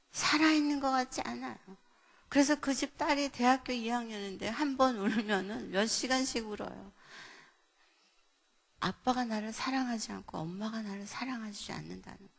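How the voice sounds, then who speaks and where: Middle-aged woman pastor, gravelly and fairly high voice, animated sermon storyteller. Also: moderate pace. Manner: animated storyteller, acts out dialogue with big swings in loudness. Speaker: pastor and seminar speaker. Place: church hall at an evening revival meeting.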